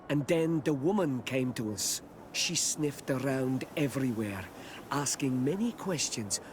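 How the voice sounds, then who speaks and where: An actor playing a guarded, curt tribal villager in a video game, with terse, formal, halting phrasing. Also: male voice, fairly high pitch, a little mellow, slight background noise. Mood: scornful, ominous.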